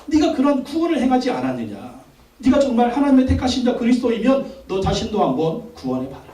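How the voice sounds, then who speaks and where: A man's voice: very high voice, big pitch swings, fast talker, warm tone, recorded from a distance. A male pastor preaching a Sunday sermon with emphasis, repeating his phrases and asking the congregation questions. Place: church sanctuary. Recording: echoey church hall, voice from off-mic.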